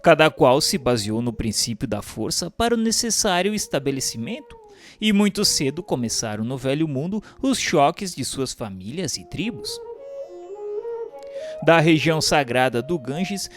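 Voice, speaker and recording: A man's voice: fairly high pitch, sing-song, moderate pace. A man reads a scripted spiritual history narration in a solemn, formal, literary manner. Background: music behind the voice.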